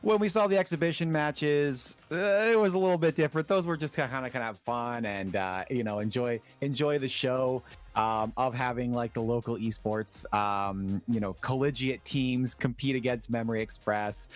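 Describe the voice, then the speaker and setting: A man casting an esports tournament in a relaxed, chatty way, full of fillers. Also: medium pitch, moderate pace, faint music behind. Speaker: esports caster.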